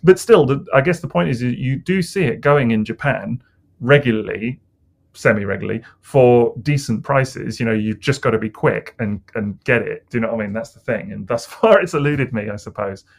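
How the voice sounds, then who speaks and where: A man's voice: medium pitch, brisk, creaky. A man co-hosting a casual podcast chat, rambling and hesitant with lots of fillers. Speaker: podcast co-host.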